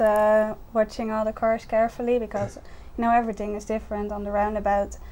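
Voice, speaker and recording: A woman's fairly high, monotone voice with flat intonation, against noticeable background noise. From Netherlands. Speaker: tourist. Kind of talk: street interview. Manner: hesitant, many fillers.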